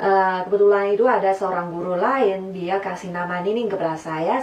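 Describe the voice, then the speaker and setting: A woman with a Mandarin Chinese accent at a fairly slow pace, amid audible room echo. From China, Beijing. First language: Mandarin Chinese (speaking Indonesian). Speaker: vlogger. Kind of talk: casual Q&A vlog. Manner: halting, with many fillers.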